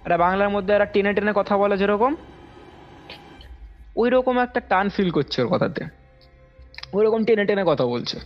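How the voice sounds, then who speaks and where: A man's voice: sits high, moderate pace, long pauses. A young man tells his own experience casually on a call, rambling and repeating himself as he goes. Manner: animated, repetitive, rambling retelling with acted-out quotes. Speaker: caller recounting a personal experience. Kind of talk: casual spoken storytelling. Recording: dull lo-fi call recording over music.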